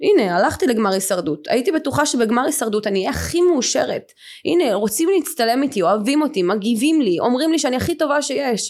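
Fairly quick speech with very wide pitch swings and very even loudness. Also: woman, very clean recording, silent background. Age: 20s. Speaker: podcast host and guest, reality show contestant. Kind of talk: conversational interview.

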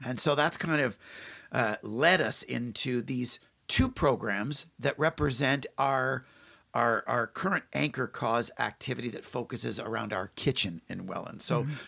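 With vocal fry and a bright, sharp tone, a man at medium pitch speaks at a moderate pace with lively intonation on a very clean recording with a silent background. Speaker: church podcast host. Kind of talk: casual interview.

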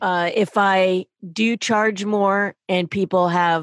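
On a very clean recording with a silent background, a woman speaks in a fairly low voice. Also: dry, close sound with no echo. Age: 50s. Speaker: accountant. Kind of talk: coaching call. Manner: halting.

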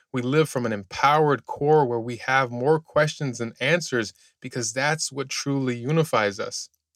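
A plain, everyday voice, this man's is medium in pitch with fairly even intonation and hardly any pauses, on a very clean recording with a silent background. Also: moderate pace. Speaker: executive coach and podcast host. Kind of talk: scripted narration mixed with interview.

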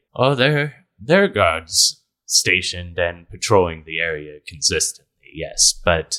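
This man uses a put-on character voice at a fairly slow pace. The recording is very clean, with a silent background. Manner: hesitant, polite, fussy, lots of ums and uhs.

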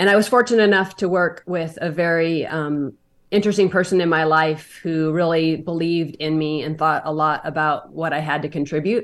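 A woman with an American accent and an ordinary speaking voice talks at a fairly quick pace in a fairly low pitch, with hardly any pauses, against a quiet background. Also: fairly even intonation. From Montana. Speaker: retired FBI senior official. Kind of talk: interview.

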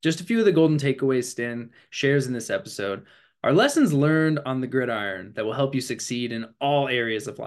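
Here is a plain, everyday voice from a man at medium pitch with ordinary pitch variation. The background is quiet. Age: 30s. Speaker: podcast host. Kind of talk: casual interview chat; scripted intro narration.

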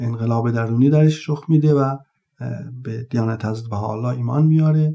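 Medium pitch and a dark, mellow tone in a man's voice. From Iran, Taft near Yazd. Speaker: interviewee sharing life story. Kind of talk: interview testimony. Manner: halting.

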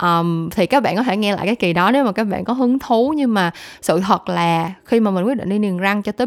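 A woman at a very fast pace, medium in pitch, with lively intonation, on a very clean recording with a silent background. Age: 30s. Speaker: podcast host. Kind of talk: personal monologue. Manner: hesitant, many fillers.

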